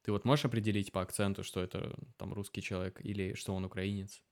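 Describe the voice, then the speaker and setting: A man hosting a conversational interview, curious, who asks long questions with drawn-out hesitation sounds. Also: sits low, level tone, slight background noise. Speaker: host.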